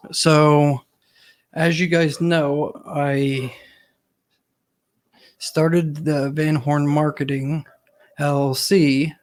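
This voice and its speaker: A man hosting his own channel, talking casually to viewers with a hoarse voice from a cold, full of ums and uhs. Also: a little high. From Ohio, US. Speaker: host.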